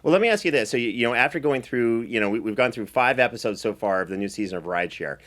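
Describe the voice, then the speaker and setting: A man's voice: mid-range voice, animated, fast, fairly bright tone. A man hosting a conversational interview. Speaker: host and series producer.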